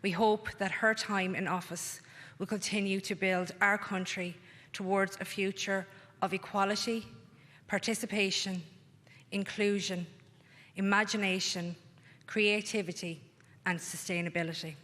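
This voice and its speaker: A woman reading a formal, measured ceremonial reflection in a large reverberant hall. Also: mid-range voice, fairly even intonation, a bit bright. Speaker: speaker at an inauguration service.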